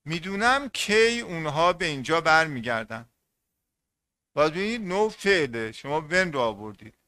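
A man's voice: fairly high pitch, big pitch swings, bright, forceful tone, dry recording. A man teaching English grammar in an online class, speaking on English words, often repeating points and asking the class questions.

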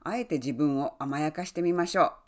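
A woman who works as an online English coach, giving friendly, encouraging advice and often adding soft tag words as she talks. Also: low voice, fairly quick. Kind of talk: advice talk to camera.

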